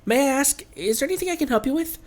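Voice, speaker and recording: A man reading game dialogue as a small, chirpy, eager girl companion in a squeaky childlike voice. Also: lively intonation, rapid-fire. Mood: friendly. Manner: bright-spirited, squeaky, childlike.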